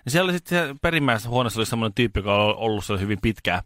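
A man co-hosting a casual radio chat, telling stories in an animated way in a studio. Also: fairly low pitch, dry recording. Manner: animated storyteller, shouts when acting out a scene. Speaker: radio show co-host.

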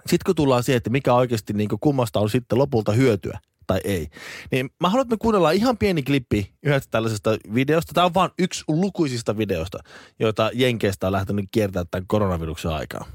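A Finnish man co-hosting a podcast, chatting in an animated, rambling way with many restarts. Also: medium pitch, dry recording, studio quality. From Finland. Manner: animated, rambling, with false starts. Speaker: podcast co-host. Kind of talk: casual chat.

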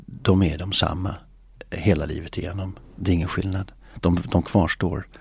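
A middle-aged man in a reflective interview, musing philosophically and often pausing with filler sounds. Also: sits low, fairly even intonation, vocal fry, breathy edge, no echo. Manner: hesitant, many filler sounds. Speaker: interview guest. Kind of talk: reflective conversation.

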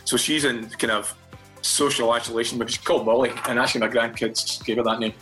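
A man's voice: mid-range voice, fairly even intonation, quick pace, fairly bright tone, faint music behind, rough recording. An older Scottish man, a guest from a fathers' charity, chatting in a radio interview and often repeating words as he restarts his thoughts.

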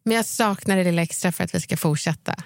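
A woman's voice: lowish voice, creaky, no echo, studio quality. A woman co-hosting a casual podcast, giving dating advice and acting out example lines. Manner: gives advice, role-plays example lines. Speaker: podcast co-host.

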